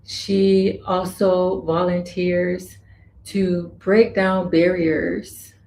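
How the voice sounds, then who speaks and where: Woman interpreting for a host, slow measured phrases, gravelly voice, roomy echo. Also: lowish voice, flat delivery, darkish tone, a little hiss or hum. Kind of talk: voicing a signed introduction and interview. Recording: echoey room with faint ambience.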